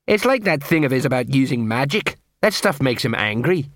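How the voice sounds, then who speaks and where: A man's voice: medium pitch, big pitch swings, brisk, a bit bright, no room sound, studio quality. A man voicing an older, cynical watch sergeant in an audiobook, grumbling sarcastically. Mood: sarcastic.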